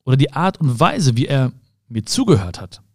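A man hosting a reflective self-help podcast, speaking calmly and directly to the listener and often rephrasing his thoughts. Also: mid-range voice, moderate pace, no room sound, clean studio sound. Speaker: podcast host.

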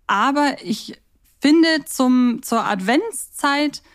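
Podcasterin im lockeren Plauderton. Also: female voice, sits high, lively intonation, very slow. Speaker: podcast co-host. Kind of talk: casual chat about audio drama episodes.

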